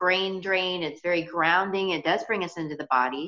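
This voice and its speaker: A woman speaks in a bright, sharp tone at a fairly quick pace. The background is quiet. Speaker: yoga teacher, speaker and author. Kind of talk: interview-style conversation. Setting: online forum, video call. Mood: warm, reflective. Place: home room. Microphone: video call.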